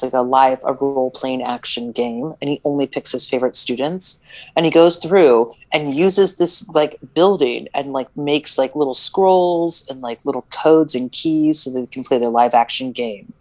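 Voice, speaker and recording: A woman with a notably deep, low voice chatting loosely on a podcast as she recaps a film. She rambles along with constant "like" fillers, tripping over tricky words and chuckling now and then. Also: a little mellow, low-quality recording. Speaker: podcast co-host. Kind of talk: casual movie recap chat.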